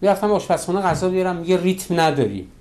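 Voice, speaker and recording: Animated man lecturing on marriage. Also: sits high. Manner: animated, acts out couples' quarrels in quoted voices. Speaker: marriage counselor. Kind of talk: lecture on relationships.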